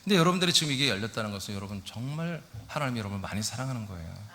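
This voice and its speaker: A middle-aged male pastor preaching a lively sermon, often asking his congregation questions. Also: lowish voice, rapid-fire. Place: church sanctuary. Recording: church hall reverb.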